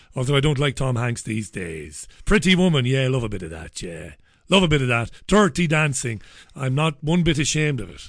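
With an Irish accent, the speaker talks at a fairly quick pace, pitch swinging very widely, over a quiet background. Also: man, medium pitch for a man, big swings in loudness. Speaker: radio host. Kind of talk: casual chat. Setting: studio. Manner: animated.

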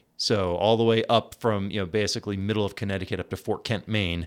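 Fairly quick in pace, a man with an American accent uses a plain, everyday voice and ordinary pitch variation. The recording is very clean, with a silent background. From US Northeast. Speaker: podcast host. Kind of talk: interview conversation.

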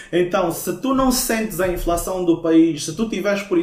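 A man at a moderate pace with fairly even intonation, amid audible room echo and noticeable background noise. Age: young. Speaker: podcast host, investment mentor. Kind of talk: casual interview chat.

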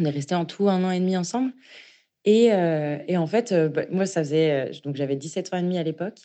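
A woman at a moderate pace with lively intonation. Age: 20s. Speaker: listener. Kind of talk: voice message. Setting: phone call.

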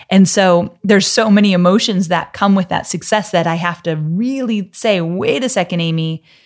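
Using an unremarkable speaking voice, a woman talks at a fairly quick pace in a medium pitch with ordinary pitch variation. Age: 40s. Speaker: online marketing podcast host. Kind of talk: solo podcast monologue, personal confessions. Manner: casual, conversational.

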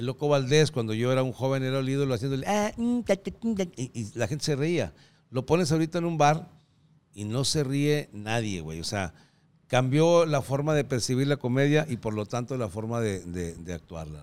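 A man with very wide pitch swings, on a very clean recording with a silent background. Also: medium pitch for a man, moderate pace. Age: 80s+. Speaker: veteran comedian. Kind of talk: casual chat.

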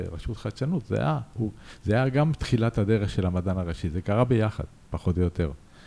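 Lively intonation shapes a man's fairly low-pitched voice, dark and mellow in tone, in a very clean recording with a silent background. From Israel. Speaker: foundation executive director. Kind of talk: interview. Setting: office.

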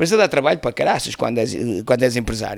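This man's pitch is medium. He speaks very fast. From Portugal, Porto. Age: young. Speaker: entrepreneur. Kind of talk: casual chat.

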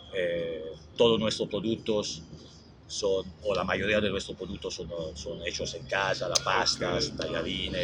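Against noticeable background noise, a man with an Italian accent speaks at a very slow pace. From Italy (Milan). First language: Italian (speaking Spanish). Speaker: chef and restaurant owner. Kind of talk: interview.

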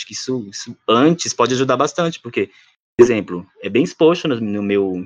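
A normal speaking voice moves at a fairly quick pace with lively intonation. The background is quiet. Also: man. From Aracaju, Sergipe, northeastern Brazil. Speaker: psychologist and sexologist. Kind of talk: interview.

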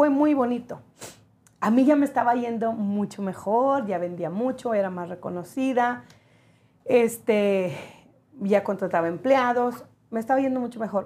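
This woman has a dark, mellow tone and a fairly high pitch, with ordinary pitch variation. She speaks at a fairly slow pace, with long, frequent pauses. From Mexico (Mezquitic, Jalisco), moved to US at 12. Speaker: entrepreneur and community development founder. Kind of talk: interview.

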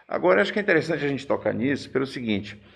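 This man has a normal speaking voice at medium pitch. His intonation is lively. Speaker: teacher. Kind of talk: casual chat.

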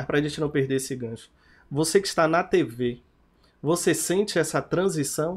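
The man's voice is fairly high-pitched, captured in a very clean recording against a silent background. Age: young. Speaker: podcast host. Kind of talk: casual chat.

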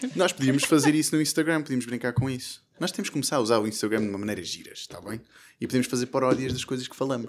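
A man with a medium pitch talks at a very fast pace, his pitch varying in an ordinary way. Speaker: podcast host. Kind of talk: casual chat.

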